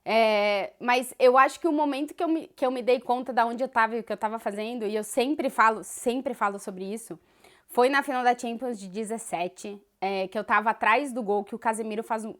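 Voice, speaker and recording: A sports journalist in her thirties with a Gaúcho Brazilian Portuguese accent answers viewer questions in a casual Q&A vlog. Her fairly high, fairly bright voice moves a little fast, and she is chatty and thoughtful, filling her talk with words like "né" and "assim".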